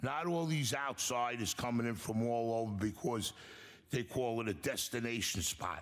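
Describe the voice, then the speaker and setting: A man with an American accent, medium pitch, lively intonation and a moderate pace, on a very clean recording with a silent background. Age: 60s. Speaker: resident speaking at public comment. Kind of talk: public comment at town meeting. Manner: halting.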